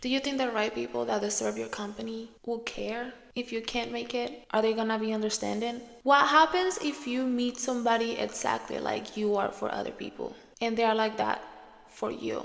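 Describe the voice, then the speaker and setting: In a Spanish accent, a woman talks at a fairly quick pace in an animated tone over noticeable background noise. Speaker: motivational YouTuber. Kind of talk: motivational talk to camera.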